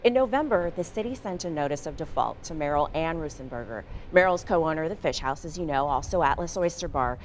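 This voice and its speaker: Chatty woman news anchor, slightly low voice. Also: animated, fast, hardly any pauses, slight background noise. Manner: conversational, playful, addresses listeners directly. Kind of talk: news reading with casual banter.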